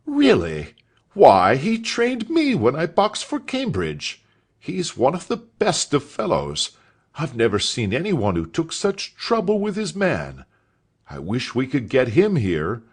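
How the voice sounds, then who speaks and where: A man reading aloud voices a kindly, eager schoolmaster keen on boxing, with an animated, exclaiming delivery. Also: mid-range voice, slow, husky, pitched above the performer's own voice, heavily acted.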